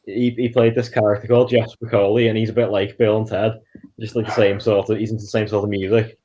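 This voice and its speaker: A man's voice: lowish voice, little pitch movement, quick pace, dark tone, highs cut off. A man, a guest on a casual film chat over a video call, talking hesitantly with many restarts. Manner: hesitant, unsure, restarts often.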